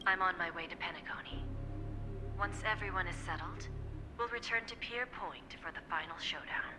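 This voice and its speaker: Low, silky, scheming actress as a woman executive. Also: normal speed, lightly acted. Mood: composed, scheming. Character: poised, elegant woman executive, sly and quietly menacing. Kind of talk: video game voice acting. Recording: game dialogue with music underneath. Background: game music.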